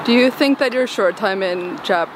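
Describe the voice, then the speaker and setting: A woman's voice: mid-range voice, normal speed. A young woman asking friendly, casual interview questions outdoors. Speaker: street interviewer. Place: outdoors on a city sidewalk. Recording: street noise outdoors. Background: street traffic.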